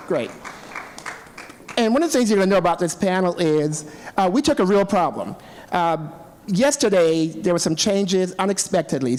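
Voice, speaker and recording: A man moderating a live conference panel, explaining the setup in an upbeat way and keeping things moving. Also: sits high. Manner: upbeat, explanatory, short encouraging remarks.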